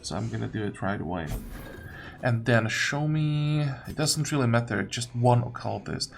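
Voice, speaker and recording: A man giving casual gameplay commentary, thinking aloud as he deliberates step by step. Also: mid-range voice, expressive, gravelly. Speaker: gamer narrating own playthrough. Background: game music.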